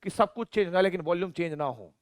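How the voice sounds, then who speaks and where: A high-pitched man with a clean, resonant voice teaches physics to exam students. He teases with rhetorical questions and answers them himself, then dictates definitions word by word. The sound is close and dry, with no room around it. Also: expressive, quick pace, dry recording. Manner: swings between loud calls and soft asides. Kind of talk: exam-prep lecture.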